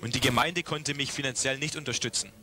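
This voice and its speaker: A man interpreting a sermon phrase by phrase, speaking in quick bursts with frequent restarts. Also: mid-range voice, pushed and bright.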